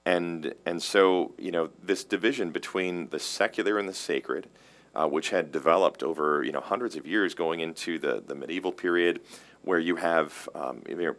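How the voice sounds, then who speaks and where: A man with a very deep, low voice talks theology as a pastor in relaxed conversation. He explains things earnestly and often circles back, restarting and repeating words mid-thought. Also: normal speed. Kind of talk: casual theological discussion.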